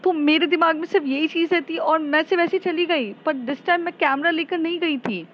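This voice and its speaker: A woman voicing Jessica, a shaken young woman who is a restless amateur sleuth, talking in rushed, exasperated bursts. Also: very high-pitched, highs cut off, a little hiss or hum, pitched above the performer's own voice.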